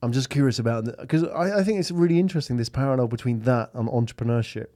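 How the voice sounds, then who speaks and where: A man's voice: medium pitch, fast talker, warm tone, dry recording, clean studio sound. A man hosting a podcast interview, asking casual, probing questions. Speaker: podcast host. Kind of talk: conversational interview.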